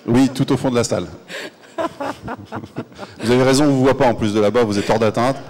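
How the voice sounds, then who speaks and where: A man's voice: mid-range voice, steady tone, fast, darkish tone. A man moderating a conference Q&A, jovially teasing the audience and calling for questions. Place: large abbey conference hall.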